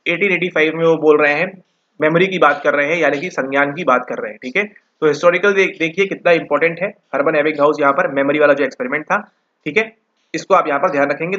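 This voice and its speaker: Bright-voiced man lecturing, lo-fi audio. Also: on the high side. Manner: rhetorical questions answered himself, repeats "ठीक है". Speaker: psychology exam tutor. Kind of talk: online lecture. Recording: dull lo-fi audio.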